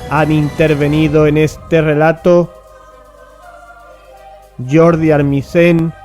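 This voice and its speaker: A man's voice: fairly high pitch, flat delivery, takes it slowly. A man announcing radio drama credits in a formal, scripted style. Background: soft music.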